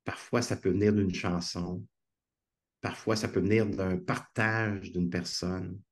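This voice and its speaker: A man's voice: low voice, steady tone, a little slow. A man with a Québécois French accent, a guest speaker telling stories in a conversational interview, earnest and enthusiastic, on a video call.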